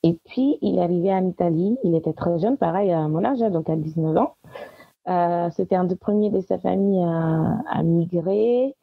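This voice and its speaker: Low husky woman with gravelly edge. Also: normal speed, no echo, phone-quality sound. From Italy. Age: 30s. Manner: warm, laughs often, many hesitations. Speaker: guest. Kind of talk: casual interview talk.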